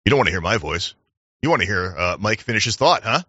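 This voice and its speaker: A man's voice: on the low side, expressive, quick pace, sharp tone, no room sound. A man delivering a mock-casual, taunting subscription plug as an announcer. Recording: dull, dry voice recording.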